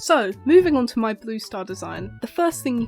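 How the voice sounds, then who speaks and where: A woman's speech keeps a moderate pace while music plays behind it. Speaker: digital artist. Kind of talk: casual speedpaint voiceover commentary. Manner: casual, hesitant, many filler words.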